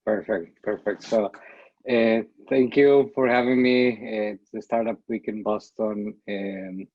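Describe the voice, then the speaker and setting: Halting middle-aged man on a dull video call. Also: fairly low pitch, breathy edge, no room sound. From Costa Rica. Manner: halting, repeats words while thinking. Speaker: panelist, startup founder. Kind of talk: casual panel talk.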